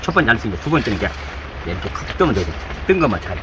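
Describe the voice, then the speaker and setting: Speaking in a lowish, sing-song voice at a racing pace, a male cooking host demonstrates hands-on, repeating and chanting each instruction while he works. Heavy rain from a downpour outside is audible behind his voice indoors.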